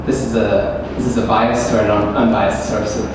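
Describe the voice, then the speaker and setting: A young adult man, a student debater, posing measured leading questions with hesitant fillers. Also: on the low side, flat delivery. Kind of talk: formal debate, cross-examination. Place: large echoey university hall. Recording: echoey hall, distant mic, background noise.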